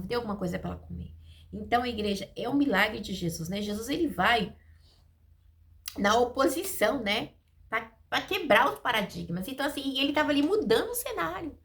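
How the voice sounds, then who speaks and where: A woman preaching a sermon in a lively way, acting out the scenes she tells. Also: fairly high pitch. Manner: animated, acts out the scenes in voices.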